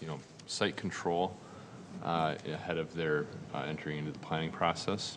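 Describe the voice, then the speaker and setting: A man's very deep, low pitch comes through noticeable background noise. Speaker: presenter. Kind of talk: meeting presentation. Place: hall. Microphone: podium.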